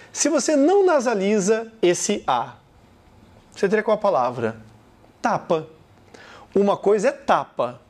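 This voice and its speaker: A man's voice: high-pitched, darkish tone. A man with a Brazilian Portuguese accent teaching a lesson, emphatic and repeating each point, acting out little example sentences. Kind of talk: classroom lesson.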